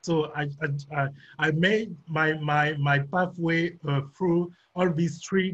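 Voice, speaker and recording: A man speaks with a French accent, his pitch fairly high for a man and his intonation fairly even. The voice is somewhat breathy. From Gabon. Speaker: business consultant and author. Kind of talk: interview. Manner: halting.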